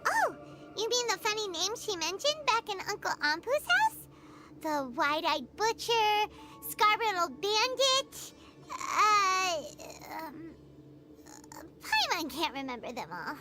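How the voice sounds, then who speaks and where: A woman voicing a small, excitable, naive and cheerful fairy-like companion in a video game, with a squeaky childlike voice and exclamatory way of talking. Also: slow pace, full character voice. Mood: puzzled. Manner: exclamatory, refers to self in third person. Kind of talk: animated video game voice acting. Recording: loud music behind the voice. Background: music.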